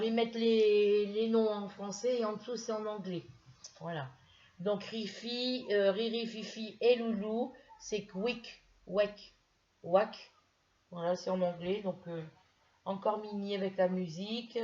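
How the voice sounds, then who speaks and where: A woman's voice: medium pitch, fairly even intonation, unhurried, warm tone, highs cut off. A middle-aged woman from France chatting casually in a haul video, hesitant and full of restarts as she shows a purchase. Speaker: craft vlogger.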